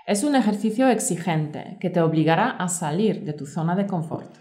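A woman presenting a course as a teacher and podcast co-host, in a clear, measured, scripted delivery. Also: on the low side, expressive, mellow.

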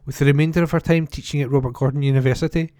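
Mellow-toned man reading a news report. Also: a little high, fairly even intonation, very fast, no echo, clean studio sound. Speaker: newspaper article reader. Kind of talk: read-aloud news report.

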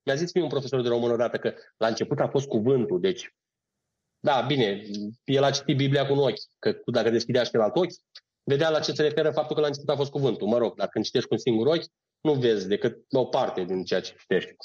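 A man's voice: medium pitch, a little mellow, slightly rough. A man, an acting teacher on a podcast, explaining in a didactic way, listing steps and checking in with his listener. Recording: dull lo-fi sound.

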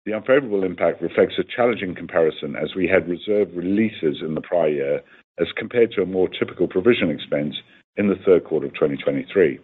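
A man reading a scripted corporate financial presentation in a formal, measured way, as an executive on a conference call. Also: low voice, slightly rough. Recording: tinny phone-like conference line.

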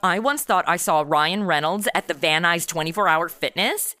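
A woman's voice: fairly low pitch, moderate pace, bright, forceful tone, dry recording. A woman playing a flippant modern twenty-something amateur detective in a comedy audio drama, sarcastic and breezy. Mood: flippant, probing. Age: 20s. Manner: sarcastic, breezy, easily sidetracked. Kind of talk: comedy audio drama, wisecracking first-person narration.

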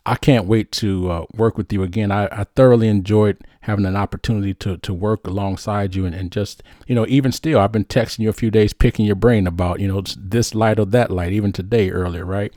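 Male host, low voice, upbeat casual chat, dry close sound. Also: steady tone, a little fast, hardly any pauses, warm tone, no echo. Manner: upbeat, many restarts and fillers. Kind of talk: casual show chat, reading viewer questions.

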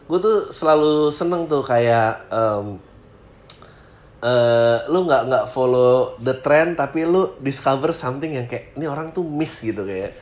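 A man's voice: medium pitch, lively intonation, takes it slowly, a little mellow. A man in his thirties hosting a casual podcast interview, asking loose questions, swearing playfully and humming along. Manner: loose, swears playfully, many backchannel hums. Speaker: podcast host.

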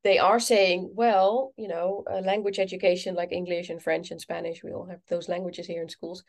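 A woman's voice: on the low side, little pitch movement, normal speed. A woman with a Dutch accent, an English teacher hosting a casual interview, talking with frequent ums and you-knows. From Netherlands. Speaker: podcast host and English teacher.

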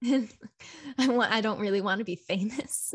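A soft-spoken woman, a stand-up comedian, chatting casually as a podcast guest and laughing often. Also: medium pitch, normal speed, husky. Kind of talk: casual interview chat.

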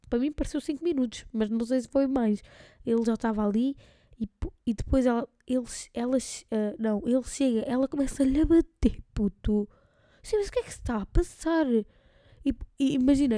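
Young woman, European Portuguese accent, podcast host; rambling slangy storyteller, mellow higher voice, dry close sound. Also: dry recording. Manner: rambling, slangy, laughing often.

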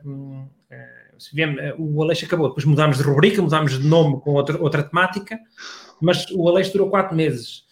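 A middle-aged comedian and radio host with a European Portuguese accent guests on a casual podcast chat, talking in a laid-back, slangy way. His voice is on the high side and his pace brisk.

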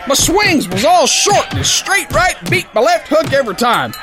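A man's voice: very high voice, very animated, normal speed, over music. An actor playing a brash, hot-headed, dim-witted sailor boxer, telling his tale in boisterous, folksy tough-guy talk in a pulp audio drama. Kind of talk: theatrical first-person pulp story narration.

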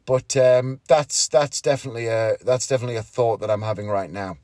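A man in his 30s, a magician, hosts a solo podcast from inside a parked car, rambling candidly and often correcting himself. His medium-pitched voice is steady, fairly quick and a little mellow. The sound is studio quality with no echo.

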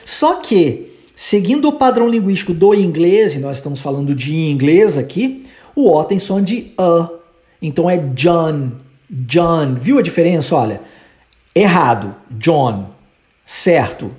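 Brazilian Portuguese accent, English teacher, language lesson podcast, mellow voice, repeats phrases patiently. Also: medium pitch. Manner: drills phrases slowly and repeatedly; patient explaining of pronunciation.

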